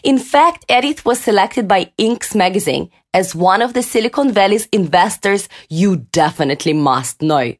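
A woman's voice: mid-range voice, expressive, normal speed, hardly any pauses. Upbeat woman podcast host. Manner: upbeat, encouraging backchannels. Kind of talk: interview hosting.

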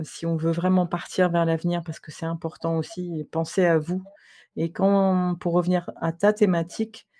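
A woman's voice: lowish voice, dark tone. A woman hosting a podcast who talks in an affectionate, hesitant way with frequent fillers. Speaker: podcast host. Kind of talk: casual conversation.

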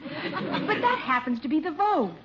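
An actress playing a playful, teasing young niece who gently ribs her uncle in a 1950 radio comedy. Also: high voice, expressive, moderate pace. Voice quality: teasing, with light laughter. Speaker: supporting character in a radio sitcom. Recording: scratchy dull old radio broadcast recording.

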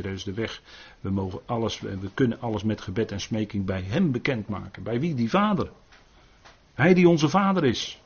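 A man's voice: on the low side, darkish tone, slightly rough, highs cut off. An older man leading an informal Bible study, earnest, often adding tag questions and restarting his sentences.

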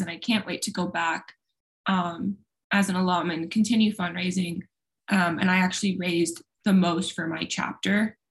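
Young woman, spanish is her first language, gravelly fry, rambly and chatty. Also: on the low side. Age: young adult. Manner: chatty, rambling with many fillers. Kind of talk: casual chat.

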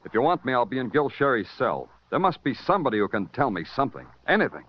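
An actor playing a wry hard-boiled detective. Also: male voice, mid-range voice, big pitch swings, fast talker, lightly acted. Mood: terse. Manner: sardonic, clipped. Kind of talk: 1950s radio drama acting. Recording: muffled old radio broadcast.

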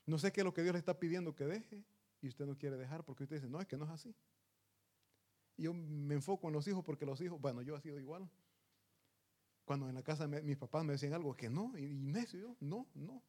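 Speaking fast and warmly, a preacher addresses his listeners as brothers in an earnest, emphatic sermon. His pitch is somewhat higher than most men's.

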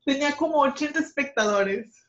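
High, lively young woman in an echoey room. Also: fairly quick, a crowd in the background. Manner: chiming in with short corrections. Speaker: podcast co-host. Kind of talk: casual chat. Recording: echoey room, dull lo-fi sound.

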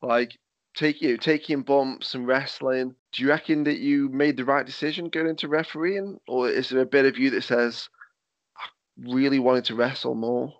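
Over dull, lo-fi remote call audio, a man hosts a casual podcast chat, asking rambling questions packed with fillers. He has a slight lisp and speaks at normal speed with a medium pitch and fairly even intonation, in a dry recording.

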